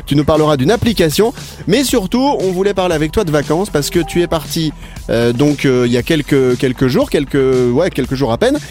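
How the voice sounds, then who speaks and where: A male radio host speaks quickly in a fairly high, very animated voice. He banters and teases playfully in a studio, with music behind him. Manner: playful, teasing. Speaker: radio morning show host. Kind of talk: lively bantering radio chat.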